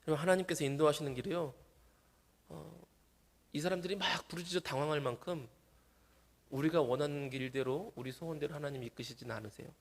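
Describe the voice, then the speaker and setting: A man preaching a sermon as pastor in a church, animated and acting out the people he quotes. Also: fairly high pitch, a little fast, long pauses. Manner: animated, acts out quoted voices.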